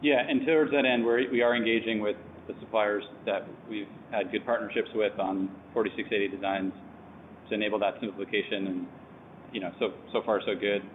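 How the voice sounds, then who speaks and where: A man's voice: on the low side, fairly even intonation, brisk. A man speaking as a company executive, giving an unscripted answer on an earnings call over a conference line. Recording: thin phone-like conference line, some noise.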